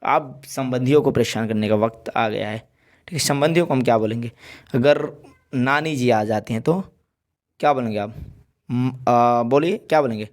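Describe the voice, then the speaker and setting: A man's voice: medium pitch, normal speed. A male teacher giving an exam-prep lesson, drilling word lists with frequent check-ins and playful examples.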